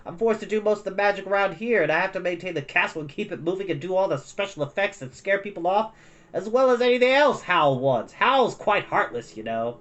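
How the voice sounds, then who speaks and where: A man voicing a cunning fire demon in a storybook, with a cracked, whining voice and a brisk, wheedling manner. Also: high voice, lively intonation, fairly bright tone, muffled recording, voice pushed up. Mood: whining complaint. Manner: brisk, whiny, persuasive.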